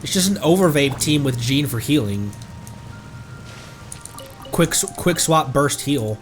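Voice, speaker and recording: A man's voice: medium pitch, lively intonation, a little slow. A man giving casual live gameplay commentary as a streamer, chatty and thinking aloud. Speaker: video game streamer. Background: faint game music.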